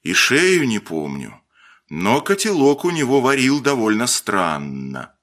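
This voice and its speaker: Weathered grey-haired storybook man, read by a man: quiet, low, slow and pensive. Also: very animated. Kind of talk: audiobook character voice.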